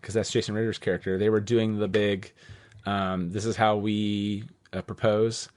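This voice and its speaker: A man's voice: fairly low pitch, little pitch movement, moderate pace, darkish tone, no room sound. Rambling man on a podcast, dry sound. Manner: rambling, peppered with "like" and swearing. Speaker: podcast host. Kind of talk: casual podcast chat.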